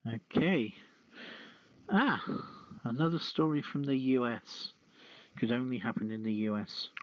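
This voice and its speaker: A man hosting a casual news podcast, reading stories and commenting in a halting, deliberate way. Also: mid-range voice, no room sound. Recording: dull, lo-fi streamed audio.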